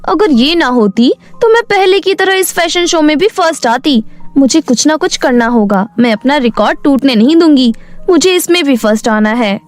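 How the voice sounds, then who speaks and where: A woman's voice: sits high, animated, normal speed, no echo. A woman voicing a jealous, scheming young female fashion model in a cartoon story. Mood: jealous, resolved.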